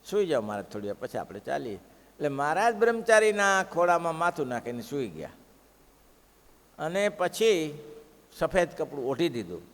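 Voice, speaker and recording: A man with a Gujarati accent tells devotional stories as a preacher, acting out the characters' lines. His voice sits on the high side. The sermon rings with the long reverb of a large hall. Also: very animated, normal speed. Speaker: preacher telling scripture stories.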